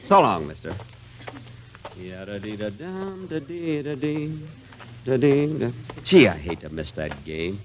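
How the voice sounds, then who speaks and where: Excitable hustler, noisy old radio. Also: male voice, mid-range voice, measured pace. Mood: smug, then puzzled. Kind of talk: old-time radio comedy acting.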